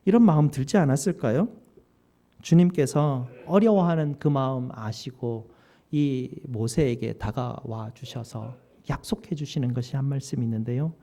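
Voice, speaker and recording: A man's voice: medium pitch, moderate pace, mellow. A male pastor preaching a sermon with emphatic rhetorical questions.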